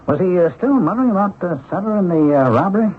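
An actor in a 1970s radio drama playing a helpful, sympathetic police lieutenant with an informal, slightly hesitant manner. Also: male voice, sits high, expressive, fast. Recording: narrow-band old radio recording, faint noise.

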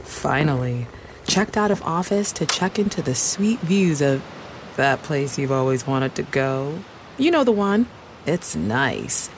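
A woman's voice: low voice, big pitch swings, measured pace, noisy background, exaggerated voice. A woman playing a contented, wry travelling mother in a conversational commercial. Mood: pleased, wry.

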